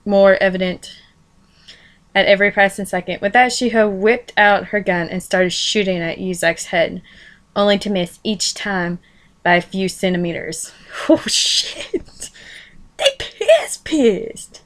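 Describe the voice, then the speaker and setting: A woman's voice: mid-range voice, steady tone, moderate pace, fairly bright tone. A woman reading fan fiction aloud in a casual style, breaking in with informal, jokey asides and swearing. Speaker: fan fiction reader and commentator. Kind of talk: casual read-aloud with running commentary.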